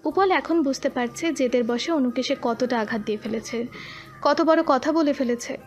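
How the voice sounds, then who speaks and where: High-voiced woman narrating a romance story. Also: moderate pace, soft background music. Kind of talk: scripted audio-story narration.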